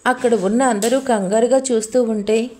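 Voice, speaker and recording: A woman's voice: fairly high pitch, steady tone, moderate pace, dark tone. A woman narrating a romantic audio story in a scripted, dramatic, emotional way.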